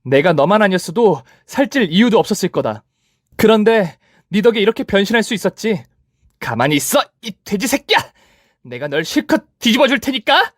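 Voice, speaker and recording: A man's voice: on the high side, sing-song, moderate pace, no echo, clean studio sound. A man voicing a tough, vengeful young woman who mocks with crude insults. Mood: gloating. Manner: taunting, crude.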